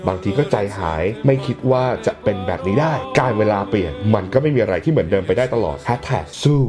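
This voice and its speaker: Loud background noise surrounds a man whose voice sits at a fairly low pitch. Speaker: football show host. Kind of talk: reading viewer comments aloud. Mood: mock-emotional, playful. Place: studio.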